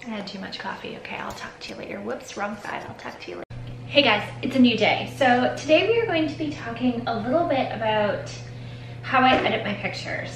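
A woman's voice: on the high side, animated, brisk, roomy sound, noisy background. A woman in her forties vlogging casually from her nail studio, rambling and self-deprecating as she talks to the camera. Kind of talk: casual vlog chat. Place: home nail studio with shelves of polish.

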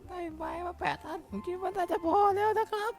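A jumpy, excitable young game hero with a piercing, very high squeak. He talks his way through every step and blurts out yelps and curses whenever something startles him. Faint music plays underneath. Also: fast talker. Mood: excited. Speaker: game caster. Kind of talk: playing and narrating a block-building game in a put-on voice.

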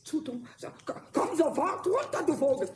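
A man voicing a small, cheeky, impulsive kobold in a children's radio play, squeaky and stammering with repeated words. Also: very animated, moderate pace. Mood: flustered, bossy. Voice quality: squeaky, high-pitched. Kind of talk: 1970s German children's radio play acting. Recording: noisy old vinyl radio-play recording.

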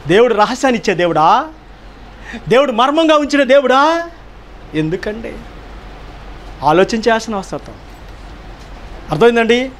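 A man's voice: very high-pitched, sing-song, moderate pace, long pauses, slight background noise. A man pastor delivering a sermon, emphatic, firing rhetorical questions and repeating key phrases.

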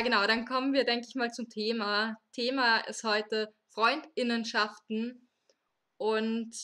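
A person in their late twenties from Austria hosting a live podcast, explaining the rules at length with small fillers. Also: female voice, fairly high pitch, sharp tone. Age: 20s. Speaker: podcast host.

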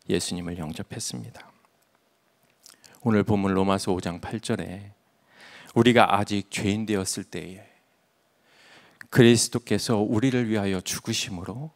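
A man's voice: fairly low pitch, vocal fry. A young adult man preaching at an early-morning church service, telling his story and dropping to a near-whisper for emphasis. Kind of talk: sermon. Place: church sanctuary.

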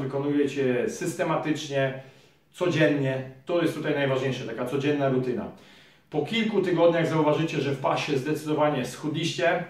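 A man in his thirties with a slightly high voice teaches an exercise in a calm, explanatory way, speaking straight to his viewers. He stands at a distance from the camera microphone. The small room around him rings with strong echo. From Poland. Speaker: physiotherapist and trainer. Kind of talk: fitness tutorial to camera. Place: small room in front of a curtain. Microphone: camera mic from across the room. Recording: very echoey room, voice from afar.

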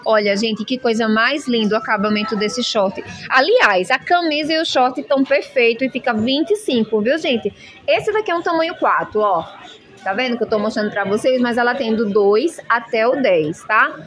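Against a crowd in the background, a shopping vlogger from Brazil talks at normal speed in a fairly high voice. Holding her phone camera, she gushes over clothes in a shop, chatting away and repeating "minha gente" in an enthusiastic product showcase.

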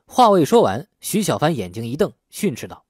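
A man's voice: a little high, sing-song, a little fast, a little mellow, no room sound, studio quality. A man narrating an audiobook in a scripted storytelling style. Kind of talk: scripted audiobook narration of an urban crime novel.

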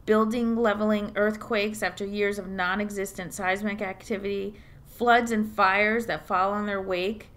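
A woman's voice: medium pitch, fairly even intonation, normal speed, few pauses, fairly bright tone, lightly acted. A woman playing a composed town official giving a formal speech in an audio drama. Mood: formal, grave.

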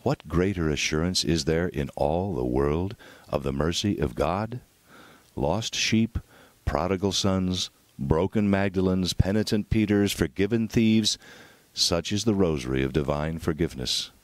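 A man's voice: low-pitched, unhurried, no room sound. A man reading a devotional sermon aloud in a solemn, dramatic, oratorical manner. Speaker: reader of a devotional book.

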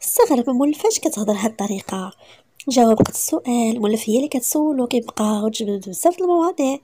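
A woman with a Moroccan accent telling a romance story in a whispered role-play, intimate and rapid. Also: on the high side, animated, dark tone, husky, dry recording.

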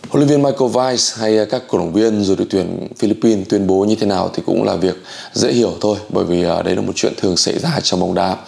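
A man in his forties hosting sports news commentary to camera, with hesitant pauses. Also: sits low, creaky, warm tone. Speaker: host. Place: small indoor room.

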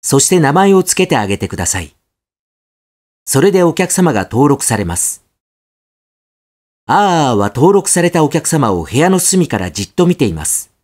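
A man's voice: on the high side, very animated, normal speed, pauses often, a little mellow. A young adult man reading scripted narration in a polite, carefully articulated product-guide manner. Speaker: voice actor, narrator.

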